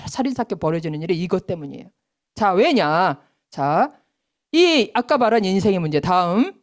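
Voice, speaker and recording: A woman preacher giving an early morning prayer sermon in a church, often acting out nagging voices of other people as she speaks. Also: mid-range voice. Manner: lively, acts out nagging voices in quotes.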